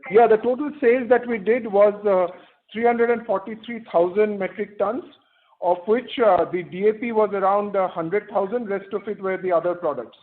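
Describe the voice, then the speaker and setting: A man with an Indian accent answering earnings-call questions as an executive, haltingly working through figures and correcting himself over a phone line. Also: high voice, steady tone. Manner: halting, self-correcting while citing figures. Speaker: company executive. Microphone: telephone conference line. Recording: muffled, band-limited conference phone call.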